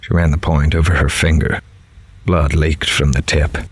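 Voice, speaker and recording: An actor playing a grim, dogged male crime reporter in a horror audio drama, with a measured, grave, dramatic delivery. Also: very deep voice, flat delivery, breathy edge, exaggerated voice. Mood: tense, dark. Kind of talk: noir-like scripted horror narration.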